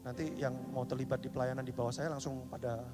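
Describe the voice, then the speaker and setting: A male pastor, preaching a sermon in a casual, slangy way that swings from hushed and low to loud and emphatic. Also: flat delivery, fast, over loud music.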